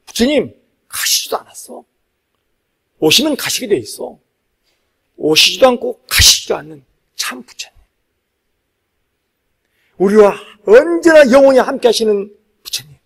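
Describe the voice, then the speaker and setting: Animated high-pitched man preaching a Buddhist sermon. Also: gravelly, husky. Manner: emphatic, exhortative, repeats key phrases, pauses for weight. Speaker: Buddhist monk giving a dharma talk. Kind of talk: sermon to a live congregation.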